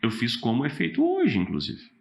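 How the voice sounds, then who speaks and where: A man, a pastor and worship leader, telling stories in a casual interview, animated and laughing often. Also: mid-range voice, normal speed, gravelly.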